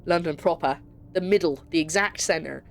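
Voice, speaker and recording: A young Scottish woman with a low voice and noticeable vocal fry chats at a moderate pace while streaming a puzzle game. Her talk rambles and keeps breaking off mid-thought, and faint music is audible behind her.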